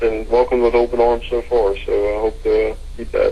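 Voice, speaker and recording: This is a man speaking. He has an American accent. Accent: Cajun accent, slight. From US South, South Louisiana bayou. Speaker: race car driver. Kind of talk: interview.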